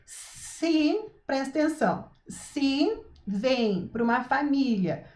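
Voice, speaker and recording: A woman with a Brazilian Portuguese accent giving a live-stream talk on parenting, animated, acting out what parents say and checking in with her listeners. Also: sits high, slow, reverberant. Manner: animated, acts out parents' lines, frequent "tá?" check-ins. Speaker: parenting coach.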